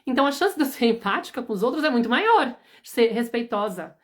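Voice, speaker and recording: Fast-talking woman, animated. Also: a little high. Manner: animated, emphatic, often asks "entendeu?". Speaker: parenting educator and mentor. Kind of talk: casual live-stream talk.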